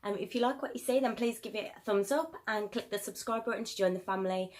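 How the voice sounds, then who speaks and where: A woman, a bit croaky from a cold, chatting casually through a shopping haul video with frequent ums. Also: mid-range voice, fast. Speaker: YouTuber.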